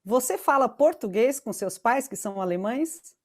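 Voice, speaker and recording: Woman panel moderator from Brazil, slightly high voice, chatty and musing. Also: animated, moderate pace. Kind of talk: casual panel chat.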